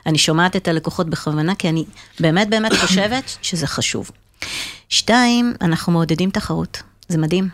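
A woman's voice: lowish voice, slight background noise. A woman speaking Hebrew with a slight French-sounding lilt, giving emphatic, businesslike answers as an interview guest. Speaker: marketing executive, interview guest.

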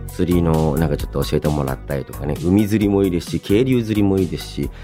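In a radio studio with music playing behind him, a man in his thirties hosts a casual show, his voice low and dark and his pace quick. He chats playfully and reads listener mail in a polite yet loose manner, often chuckling at himself.

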